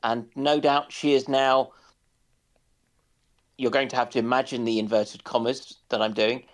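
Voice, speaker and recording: A man in casual discussion on a naval history stream, speaking haltingly with dry humour. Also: mid-range voice, flat delivery. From United Kingdom.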